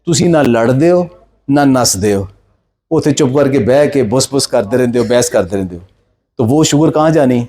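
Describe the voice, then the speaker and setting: A man's voice: medium pitch, animated, moderate pace, mellow. Man, sixties, Pakistani Punjabi accent, informal health talk, exhorting, colloquial, English terms mixed in. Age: 60s. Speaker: health speaker.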